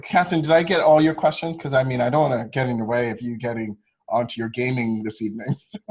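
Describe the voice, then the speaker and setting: Male coach host, mid pitch, slightly husky, friendly interviewer. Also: steady tone, fast, poor audio. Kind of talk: casual video call discussion.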